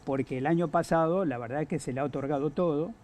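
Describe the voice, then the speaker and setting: A man with an Argentine accent, giving analysis on a political talk show, halting with many fillers and restarts. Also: on the high side, darkish tone, a little hiss or hum. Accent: Argentine Spanish. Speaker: guest analyst.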